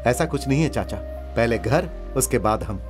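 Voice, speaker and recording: A man's voice: mid-range voice, animated, normal speed, faint music behind, close to an everyday voice. A man dubbing a devoted, earnest young man caring for his family. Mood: gentle. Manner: gentle, earnest.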